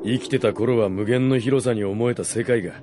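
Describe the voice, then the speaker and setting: A man playing a blunt, battle-seasoned mercenary with rough speech in a Japanese fantasy radio drama. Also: mid-range voice, moderate pace, noisy background, lightly acted. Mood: easygoing. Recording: studio drama with music behind.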